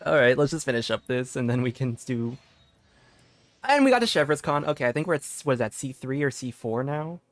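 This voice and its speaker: A young male game streamer with a medium-pitched voice, close and dry over game music. He chats casually and excitably, rambling and doubling back on his words. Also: brisk, no room sound. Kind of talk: casual live gameplay commentary.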